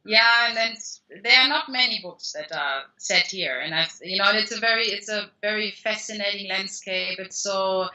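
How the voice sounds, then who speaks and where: A woman's voice: medium pitch, normal speed, hardly any pauses, sharp tone, low-quality recording. A woman with a German accent, a guest author talking through her career in a rambling way, with many restarts and fillers. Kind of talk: conversational interview answers.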